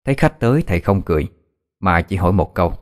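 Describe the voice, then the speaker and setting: A man narrating a ghost story in a calm, even way. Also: sits low, quick pace. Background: faint music.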